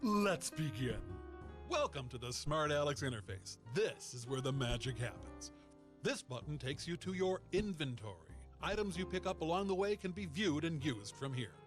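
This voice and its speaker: A man's voice: a little high, lively intonation, normal speed, close to an everyday voice. A man voicing a chatty, cheeky robotic personal assistant in a video game, with perky, teasing patter. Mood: helpful, instructive. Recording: music under the voice.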